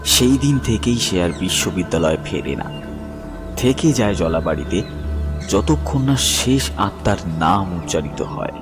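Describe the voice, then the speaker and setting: A man narrating a scripted horror story in a solemn, measured, dramatic way with pauses. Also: sits low, lively intonation. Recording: long reverb, music bed behind voice.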